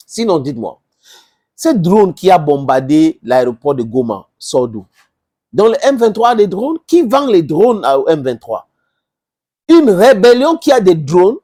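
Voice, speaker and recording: Emphatic Cameroonian political commentator, animated pitch. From Southern Cameroon. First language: English. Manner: emphatic, rhetorical questions and repetition. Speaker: political commentator addressing viewers. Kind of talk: impassioned informal political commentary.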